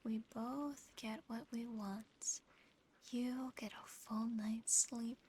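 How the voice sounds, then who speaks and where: Slow, whispering affectionate demon woman, acted by a woman. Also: on the high side, fairly even intonation. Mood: teasing, possessive. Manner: slow, soothing, intimate, softly teasing. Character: affectionate, possessive female sleep paralysis demon. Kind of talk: whispered ASMR roleplay. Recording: close whisper over clear background noise.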